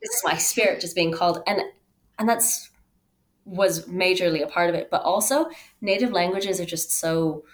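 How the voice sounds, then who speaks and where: A woman in her thirties speaks as a podcast guest, with a voice on the low side. She tells personal stories in an animated, conversational way, often voicing her own thoughts as quotes. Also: moderate pace. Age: 30s. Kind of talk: conversational interview, personal storytelling.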